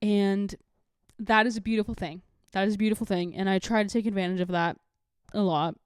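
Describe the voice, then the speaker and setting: A woman's voice: mid-range voice, fairly even intonation, brisk, clear, resonant tone, dry recording, studio quality. A nineteen-year-old woman hosting a podcast, talking casually and candidly to her viewers in a rambling way peppered with "like". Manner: rambling, heavy use of "like", candid. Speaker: podcast host. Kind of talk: casual confessional solo talk to viewers.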